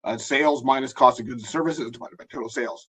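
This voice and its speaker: Giving a live software demo during a webinar, a man speaks haltingly, with lots of fillers and restarts. His mid-range voice is hoarse and husky, as though he's losing it.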